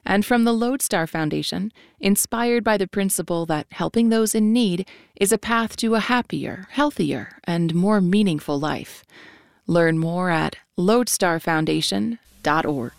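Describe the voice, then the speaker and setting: A woman announcer reading funding credits for public radio in a smooth announcer read. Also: lowish voice, a little slow, dry recording, clean studio sound.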